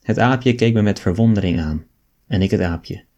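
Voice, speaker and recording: A man reading an old novel aloud as an audiobook, in a measured storytelling way. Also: lowish voice, a little mellow, dull audio. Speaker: audiobook reader.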